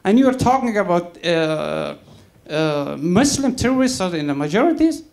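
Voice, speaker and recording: A man from Afghanistan in the audience, making a halting, accusing comment at a public debate with many fillers. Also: high-pitched, big pitch swings, vocal fry, a little mellow. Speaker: audience member.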